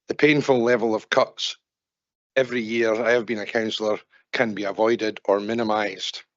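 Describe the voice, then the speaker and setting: A man's voice: lowish voice, dry recording, muffled recording. A male councillor who is losing his voice, giving a formal speech at a council meeting. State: losing his voice, throat-clearing. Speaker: elected councillor seconding a motion.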